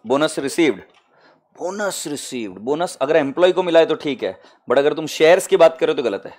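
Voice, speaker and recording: Indian guy teaching accounts live, high voice, calls everyone beta, hindi english mix. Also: quick pace, darkish tone. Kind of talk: live classroom lecture.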